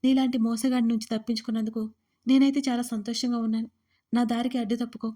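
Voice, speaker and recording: A woman's voice: a little high, little pitch movement, fast, dark tone, lightly acted. A woman voicing a young woman who feels betrayed by her friend and speaks reproachfully through tears, in an audio story. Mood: dismissive. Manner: tearful, reproachful.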